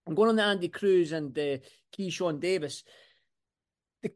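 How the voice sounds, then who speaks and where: Podcast host, male, Scottish accent, notably high voice, rambling casual sports talk with repeated phrases. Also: normal speed. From Scotland.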